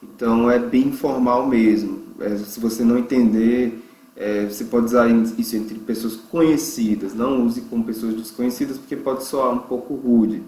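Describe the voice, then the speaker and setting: A man's voice: medium pitch, fairly even intonation, warm tone. Brazilian man teaching English, echoey room. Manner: slow, drawn-out pronunciation drills. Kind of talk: online language lesson.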